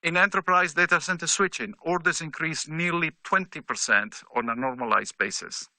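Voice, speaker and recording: A man speaking as a company executive, reading a scripted corporate presentation in a formal, measured way with emphasis on key figures. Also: a little high, sharp tone, no room sound.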